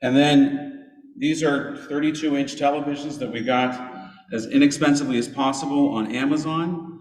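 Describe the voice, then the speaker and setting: Steady and moderately paced, a mid-range male voice belongs to a guest presenter running a casual live demo in a big, echoing social hall. The conference camera mic sits away from his mouth, leaving the sound distant, reverberant and noisy.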